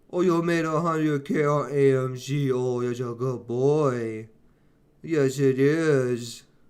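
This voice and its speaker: A man's put-on character voice, sing-song at a medium pitch and a fairly slow pace. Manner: mocking, sing-song praise.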